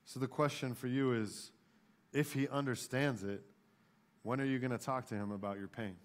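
A man's voice: medium pitch, steady tone, normal speed. An American man in his forties preaching as a pastor in an emphatic way, repeating key phrases. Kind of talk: sermon. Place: church stage, indoors.

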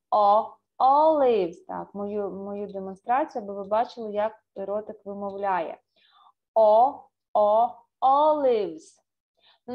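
A Ukrainian woman teaching a remote English lesson to first graders, drawing out words slowly and clearly to show pronunciation. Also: mid-range voice. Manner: slow, clear, drawn-out pronunciation demos. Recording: dull lo-fi sound.

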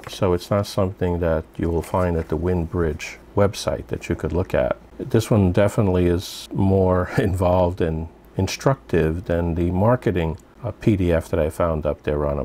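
A man's voice: low voice, normal speed, few pauses, dark tone, a little hiss or hum. A man giving casual unboxing commentary as a product reviewer, musing aloud to himself as he goes.

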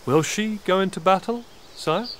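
An actor playing a hearty, gallant young duke in an audio drama, speaking in a courtly manner. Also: male voice, sits high, moderate pace, heavy background noise, close to an everyday voice. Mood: admiring.

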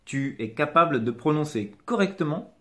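A man's voice: fairly high pitch, animated, normal speed. A man with a French accent teaching pronunciation and repeating each word patiently so the learner can follow. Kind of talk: slow, clearly articulated lesson.

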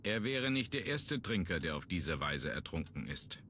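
An actor playing a businesslike police inspector in a video game, inquisitive and matter-of-fact. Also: male voice, low-pitched, sing-song, moderate pace, bright, forceful tone, a little hiss or hum, heavily acted. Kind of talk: German video game voice acting.

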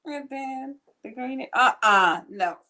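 A woman's voice: high voice, slow. A woman running a live jewelry sale, laughing often and prompting and teasing her co-presenter from off-mic. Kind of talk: casual live sales chat. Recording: voice off-mic with noisy background.

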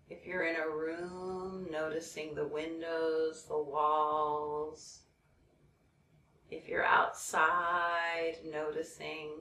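Slow, low-voiced woman guiding a meditation. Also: pushed and bright. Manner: soothing, measured, with long pauses. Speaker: guided meditation leader. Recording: roomy, distant mic, background noise.

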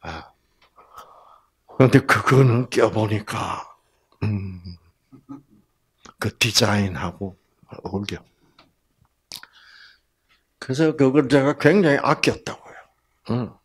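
A man's voice: on the low side, slightly rough. A man giving a storytelling Bible lecture to a live audience. He asks the audience questions, acts out the people in his story and often drops to a whisper. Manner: slow, animated delivery, often dropping to a whisper.

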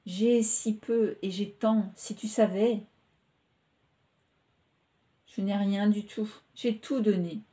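A woman's voice: medium pitch, steady tone, measured pace, dark tone, natural voice. A woman reading the part of an emotional young woman who pours out her affection in a pleading, impulsive way, in a storybook reading. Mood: pleading, tender.

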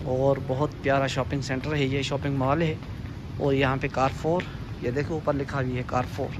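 A man's voice: medium pitch, little pitch movement, normal speed. A man walking through a supermarket with his phone, leisurely pointing out the goods and reading their prices. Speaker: vlogger. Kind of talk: walking store tour vlog. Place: large indoor supermarket. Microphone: handheld phone camera. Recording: noisy store ambience.

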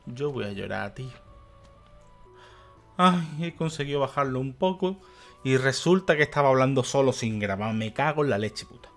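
A man's voice: medium pitch, normal speed, long pauses, soft background music. A young man commentating a video game, exasperated, swearing and muttering to himself. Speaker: gaming youtuber. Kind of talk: let's play commentary.

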